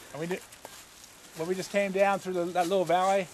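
A man's high-pitched voice at a fairly quick pace, with light background noise. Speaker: archaeology site guide. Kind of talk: field tour talk to a group. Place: forest. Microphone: camera far.

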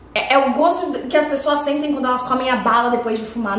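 A woman talks at a fairly quick pace in a high pitch, animated, with ordinary pitch variation. There is audible room echo and light background noise. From Brazil. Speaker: YouTuber. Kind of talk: casual chat. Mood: playful, joking, disgusted reactions. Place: home room.

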